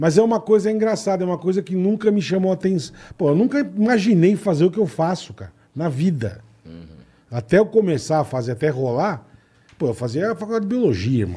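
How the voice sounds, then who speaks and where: Speaking at a fairly quick pace, a man with a high pitch and a dark, mellow tone shows very wide pitch swings and big swings in loudness. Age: 30s. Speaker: comedian. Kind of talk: casual chat. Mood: reflective, amused. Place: studio. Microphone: studio mic.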